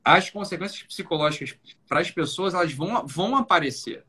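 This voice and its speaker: A high, fast-talking man with a husky, slightly rough voice hosts a live stream. He talks bluntly and insistently, circling back to the same points and dropping the occasional curse word. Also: lively intonation, pushed and bright. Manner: insistent, repetitive, blunt with swearing. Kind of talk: emphatic casual talk.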